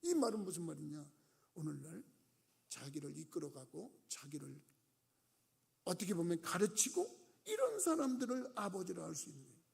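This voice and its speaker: A middle-aged man preaches a sermon from the pulpit, his voice pitched high with a gravelly edge. He slips into the voices of people in his stories, swinging up and down as he goes. The sanctuary gives his words a long, ringing reverb. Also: very animated, normal speed, long pauses, darkish tone. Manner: acts out quoted voices with dramatic rises and dips. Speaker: pastor. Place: church sanctuary.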